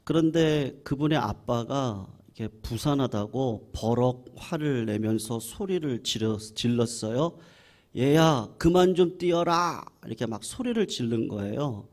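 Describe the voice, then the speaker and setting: A man's voice: medium pitch, lively intonation, a little slow, few pauses, a little mellow. A male pastor preaching a sermon in a church and putting rhetorical questions to the congregation. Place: church sanctuary.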